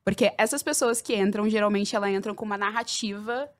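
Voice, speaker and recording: A woman in her thirties, a sociology researcher, talking on a podcast panel in an animated, emphatic, jokey way. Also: mid-range voice, a little fast.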